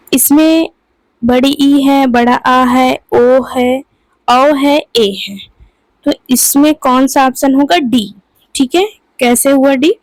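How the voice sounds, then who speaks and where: Slow, high-voiced woman teaching a lesson. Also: a little mellow, no echo, poor audio. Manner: slow, repeats "ठीक है दोस्तों" between points. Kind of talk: exam-prep lesson.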